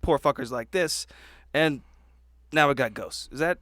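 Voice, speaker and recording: A man's voice: on the high side, a little slow, a bit bright, no echo. A man playing a tabletop game, telling things casually in an irreverent, sweary, comic way.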